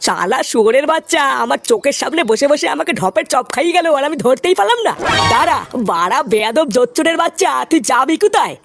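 A high, lively cartoon voice of a gullible middle-aged father with a short temper. He blusters along quickly and crudely. Music runs underneath. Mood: furious. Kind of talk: Bengali comedy cartoon dub. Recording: music behind the voice.

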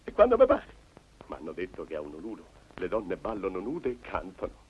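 An actor playing a fussy, self-pitying middle-aged bachelor who frets and wails to himself in a 1950s film comedy. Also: male voice, sits low, huge pitch swings, a little fast. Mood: daydreaming. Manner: whiny, fretful muttering to himself, swings to wailing complaints. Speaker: film character. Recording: dull old film soundtrack with faint hiss and music.

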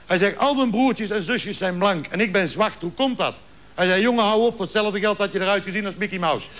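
High-voiced man telling jokes. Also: brisk. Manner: lively storyteller acting out dialogue. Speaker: joke teller. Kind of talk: stand-up joke telling.

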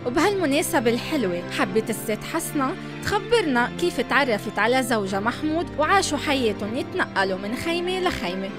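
A woman's voice: sits high, very animated, fast talker. A woman with a Lebanese Arabic accent, reading scripted documentary narration as a TV reporter. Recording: voice-over with music bed.

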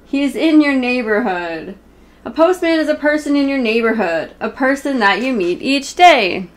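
A woman in her thirties with a fairly high voice reads a children's picture book aloud. She talks informally and straight to her young listeners, in the manner of a homemade story video. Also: lively intonation, normal speed. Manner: informal, self-interrupting, speaks directly to young viewers. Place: small room at home, indoors.

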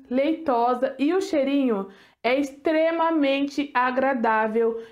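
A woman's voice: sits high, a little mellow. A woman in her thirties from Brazil, reviewing hair products to camera in a chatty, enthusiastic way with self-mocking jokes. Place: small home studio with decorated shelves.

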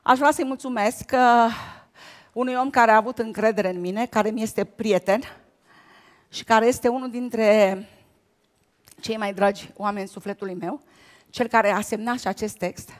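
High-voiced woman telling a comic story. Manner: animated storytelling with shouted bits. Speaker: comic actress. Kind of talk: stand-up comic monologue. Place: stage at an awards gala.

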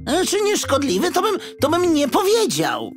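Storybook rat sidekick: squeaky, cocky, excitable, swooping pitch. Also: male voice, moderate pace, music in the background, exaggerated voice. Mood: indignant boasting. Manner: cheeky, stammering when flustered. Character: boastful, jittery talking male rat sidekick.

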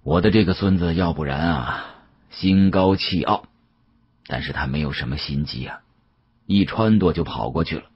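A man voicing a kindly, shrewd old male patriarch in an audiobook, husky and hushed, with a measured, avuncular manner. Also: a bass voice, lo-fi sound. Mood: amused, advising.

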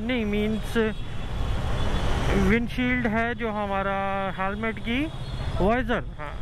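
A man vlogging while riding a scooter, chatting about and testing a lapel mic. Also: sits high. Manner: chatty, testing mics with counts. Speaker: moto vlogger. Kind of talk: casual vlog talk while riding. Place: outdoors on a scooter in city traffic. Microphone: clip-on lapel mic under helmet. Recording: road traffic noise. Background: traffic and wind noise.

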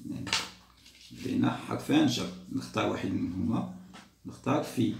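A man, teaching a grammar lesson to young children patiently, repeating and drawing out words slowly. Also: on the low side, expressive, vocal fry, noisy background. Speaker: primary school teacher. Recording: roomy echo.

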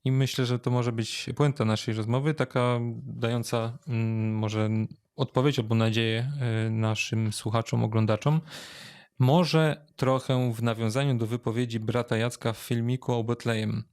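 A man's voice: medium pitch, steady tone, normal speed, darkish tone, clean tone. A man hosting a casual interview in a hesitant, rambling way with tentative phrasing. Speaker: host interviewer.

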